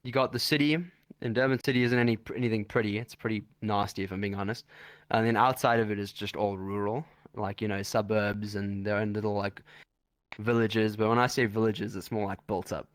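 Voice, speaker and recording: A man's voice: fairly low pitch, fairly even intonation, brisk, no room sound. A man with a South African accent talking casually and slangily as a guest in a video-call interview, rambling with restarts. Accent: South African English.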